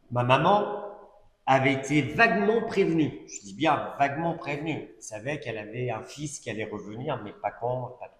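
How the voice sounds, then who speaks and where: A middle-aged man giving a sermon as a personal testimony, telling his story conversationally with asides and fillers. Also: medium pitch. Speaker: preacher. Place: church hall. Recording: echoey church hall recording.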